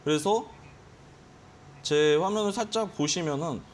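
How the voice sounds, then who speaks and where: A man's voice: on the high side, measured pace, slight background noise. A man teaching day trading on a finance show, explaining at length and acting out his own gut reactions with quoted exclamations. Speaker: stock trading instructor. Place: broadcast studio.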